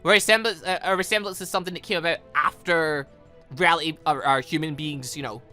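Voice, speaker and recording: Animated high-ish guy rambling through a let's play, thinking out loud, music behind. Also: a little fast. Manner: rambling, thinking aloud, stumbling over read lines. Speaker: gaming channel host. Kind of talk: let's play commentary, reading dialogue aloud.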